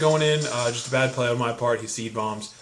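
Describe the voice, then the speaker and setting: A man's medium-pitched voice with fairly even intonation, plus noticeable background noise. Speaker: gaming commentator. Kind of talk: video game commentary. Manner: fast; casual, halting.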